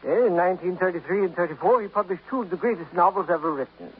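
An actor playing a stern middle-aged literary critic in a 1950s radio drama, speaking in a precise, lofty and contemptuous manner. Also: male voice, high-pitched, quick pace, lightly acted. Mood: scornful. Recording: dull old radio broadcast with faint hiss.

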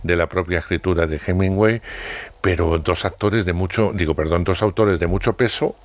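A man's voice: low voice, fairly even intonation, moderate pace. A man interviewing a film director, asking long expansive questions full of praise.

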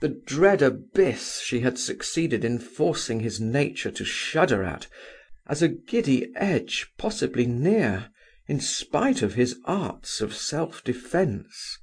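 A man reading a literary novel as an audiobook, measured and expressive. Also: mid-range voice, slightly rough. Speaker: audiobook reader.

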